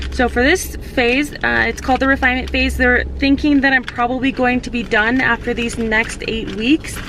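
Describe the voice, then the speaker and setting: A woman talks with hardly any pauses over noticeable background noise. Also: moderate pace. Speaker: vlogger. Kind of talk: casual vlog update.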